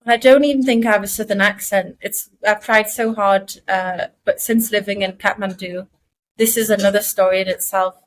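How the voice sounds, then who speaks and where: A woman's voice: mid-range voice, fairly even intonation, normal speed. A young woman from northeast England with a mixed Geordie and South Asian accent, chatting casually and self-deprecatingly as a podcast co-host.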